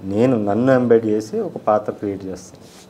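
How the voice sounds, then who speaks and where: Self-assured man, a director and actor, talking fast in an interview. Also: lowish voice, warm tone, a little hiss or hum. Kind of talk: casual interview chat.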